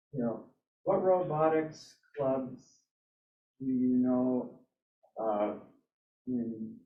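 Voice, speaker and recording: A man giving a casual live demo at a club meetup, halting and thinking aloud as he goes. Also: medium pitch. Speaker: presenter at a robotics club meetup. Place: indoor hybrid club meeting, away from mic. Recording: roomy, distant, dull meeting-room sound.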